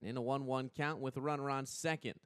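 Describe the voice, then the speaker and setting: A young American man doing live radio play-by-play commentary of a softball game as the announcer. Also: mid-range voice, smooth, no room sound, clean studio sound. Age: young adult. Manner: measured between plays, excited on big plays.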